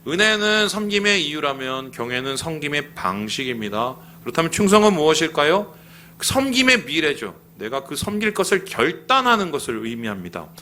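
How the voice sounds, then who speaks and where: A male pastor preaching a sermon in a church in a colloquial, animated way, acting out the people he quotes. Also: fairly high pitch, a little hiss or hum. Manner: leads the congregation in reading aloud. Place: church sanctuary.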